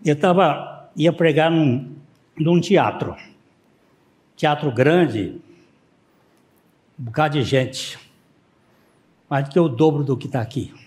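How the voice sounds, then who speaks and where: A man's voice: a little high, takes it slowly, pauses often, a little mellow. A man preaching a sermon in a church, mixing rhetorical questions with anecdotes told with dry humor. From Northeast Brazil. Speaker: pastor. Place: church sanctuary.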